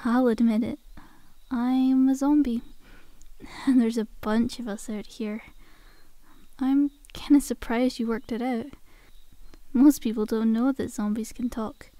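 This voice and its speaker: A woman's voice: fairly high pitch, fairly even intonation, a little slow, long pauses, warm tone, no room sound, lightly acted. A woman playing a friendly, sly zombie girl in an ASMR roleplay, coaxing a survivor in a chummy, casual, faux-innocent way. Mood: sly, amused.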